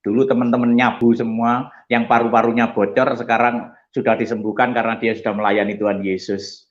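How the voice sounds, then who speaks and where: A male pastor giving an animated testimony sermon, telling stories and acting out the people in them. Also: medium pitch, brisk, dull audio. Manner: animated storytelling, acts out quoted voices.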